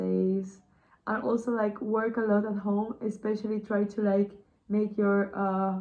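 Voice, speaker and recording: Speaking in a Spanish accent at a fairly slow pace, a woman keeps a medium pitch. Her intonation is monotone and flat, her loudness very even. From Spain. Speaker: exchange student. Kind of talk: interview.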